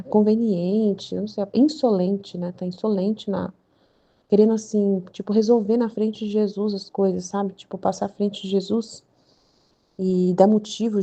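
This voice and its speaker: A woman's voice: medium pitch, dark tone. A woman with a Brazilian Portuguese accent who reads devotional texts and comments on them in a chatty way. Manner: chatty, with many filler tags. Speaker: channel host reading religious texts. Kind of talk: devotional reading with casual commentary.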